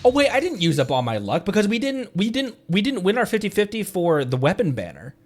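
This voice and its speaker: A man streaming a game from home, chatting casually, excitable and rambling, laughing often as he talks. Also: high-pitched, a little fast. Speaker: VTuber streamer. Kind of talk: casual gameplay chat.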